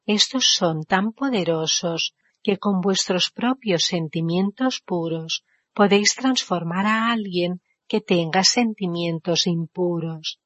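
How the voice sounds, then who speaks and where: A woman's voice: on the low side, slow, fairly bright tone, no echo, muffled recording. A woman interpreting a spiritual discourse, putting rhetorical questions to the audience and explaining foreign words as she goes.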